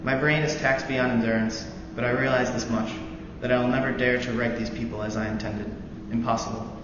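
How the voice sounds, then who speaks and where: A young American student veteran, medium-pitched, reads a novel passage aloud after hesitating his way through an introduction with many fillers. Once reading, he is steady and earnest. The audio comes from a roomy, echoing hall and is noisy, dull, and lo-fi.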